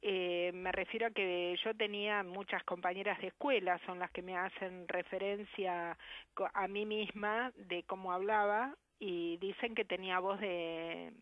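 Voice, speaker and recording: A woman with an Argentine Spanish accent, a sign language interpreter answering a radio interview in a measured, reflective way over the phone. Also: medium pitch, fairly even intonation, no echo. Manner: measured, reflective, careful diction. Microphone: telephone. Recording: muffled phone line.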